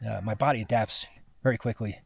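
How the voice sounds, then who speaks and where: A man giving a casual first-person vlog monologue, sounding exhausted, with a weary, halting, rambling way of talking. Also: fairly low pitch, fairly even intonation, creaky. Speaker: mountain climber recording a personal expedition vlog.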